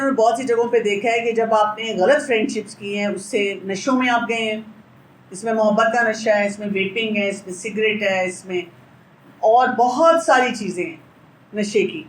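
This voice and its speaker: A woman's voice: on the high side, echoey room, slight background noise, poor audio. A middle-aged woman with a Pakistani accent, a pediatrician giving an Islamic parenting lecture in an earnest, advising way and mixing English words into her speech.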